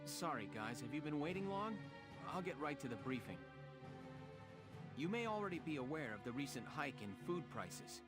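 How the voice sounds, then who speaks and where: An actor playing a polite, earnest young squad officer in a video game, courteous and businesslike. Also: male voice, a little high, very animated, normal speed. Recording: loud game music behind. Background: game music.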